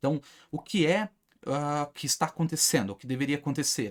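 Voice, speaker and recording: Moderately paced speech in a very clean recording with a silent background. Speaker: preacher. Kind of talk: sermon.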